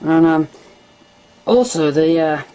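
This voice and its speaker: A woman calmly explaining step by step as she unpacks and tests old equipment at home. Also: sits low, slow, smooth, rough recording. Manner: calm step-by-step explaining while handling equipment. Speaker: hobbyist vlogger. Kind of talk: casual demonstration narration. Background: faint machine hum.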